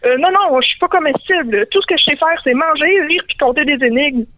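A timid little hobbit who stammers and hesitates, played by a woman with a Quebec French accent. The voice sits higher than her own. It comes through a dry, tinny phone line. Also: expressive, fairly quick, no echo. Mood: nervous.

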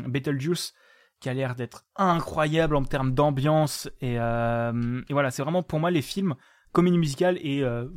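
A man talking casually on a podcast, rambling and enthusiastic, swearing freely. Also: medium pitch.

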